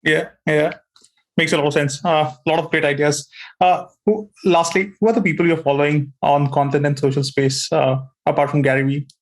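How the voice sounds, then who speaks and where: Man, somewhat high voice, interview host, short polite summaries. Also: steady tone, a little fast. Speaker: podcast host. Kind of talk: interview questions.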